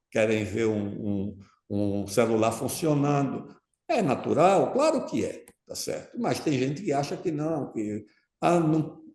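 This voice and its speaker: Man with a mellow voice in a roomy space. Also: medium pitch. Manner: emphatic, keeps checking in with "tá certo?". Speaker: interview guest. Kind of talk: conversational interview answer. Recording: roomy echo.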